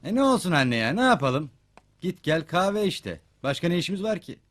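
A lazy, teasing grown son. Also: male voice, fairly high pitch, sing-song, fairly quick, a bit bright. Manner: teasing, wheedling.

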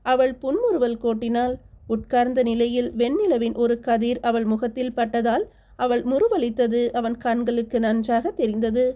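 A woman reads a historical novel aloud as an audiobook narrator. Her delivery is steady and measured. Her voice is mellow and warm and sits slightly high for a woman.

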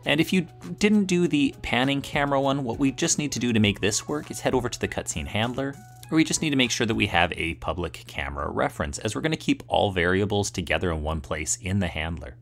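A man's voice: fairly low pitch, vocal fry, fairly bright tone. A man presenting a tutorial in scripted screencast narration, explaining step by step.

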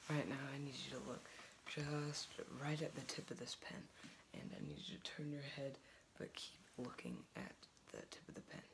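A young man doing an ASMR doctor roleplay in a small home office, giving soft, partly whispered exam instructions with frequent hesitations into a laptop mic. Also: medium pitch, wildly swooping pitch, moderate pace, gravelly, hardly any pauses, background noise. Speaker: ASMR creator playing a doctor.

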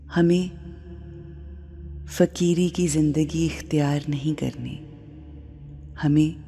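A woman leading a spiritual guided meditation, speaking in short, deliberate phrases with long pauses. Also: low-pitched, dark tone. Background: music.

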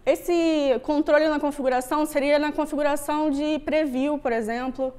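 High-pitched carioca woman presenting. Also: fairly even intonation, normal speed, warm tone. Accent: Rio de Janeiro (carioca) Brazilian. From Rio de Janeiro, Brazil. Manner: casual, slangy, conversational. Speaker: Android developer, meetup speaker. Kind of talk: informal tech presentation. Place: meetup room with wooden floor, on stage before a screen.

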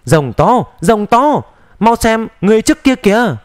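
A man voicing a young male cultivator hero in an audiobook, speaking firmly and a little lower than his narration. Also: sing-song, moderate pace. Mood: steady.

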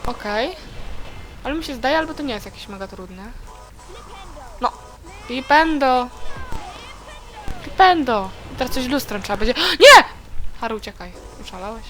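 A woman chatting casually and giggling as she plays through a video game, now and then letting out shrill shrieks. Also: animated, normal speed, pauses often, fairly bright tone, rough recording. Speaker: let's play gamer. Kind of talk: casual gameplay commentary.

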